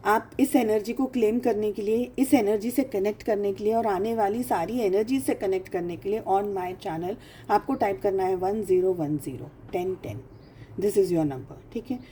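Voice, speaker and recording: A woman's voice: mid-range voice, moderate pace, mellow, slight background noise. A woman giving a casual tarot reading, speaking emphatically, repeating phrases for stress and mixing English phrases into her talk. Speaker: tarot reader.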